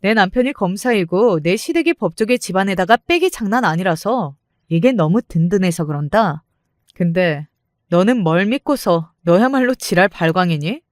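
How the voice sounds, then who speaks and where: A woman's voice: medium pitch, animated, normal speed, dry recording, close to an everyday voice. Woman doing brash nasty older sister in a story, taunting n threatening, dry sound. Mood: threatening, boastful. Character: brash, menacing older sister, mocking and foul-mouthed.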